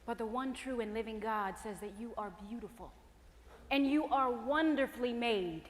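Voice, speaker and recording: An actress playing a hopeful figure of faith, speaking tenderly and pleading. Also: female voice, fairly high pitch, normal speed, a little hiss or hum, lightly acted. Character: gentle hopeful woman personifying faith and future. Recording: reverberant hall.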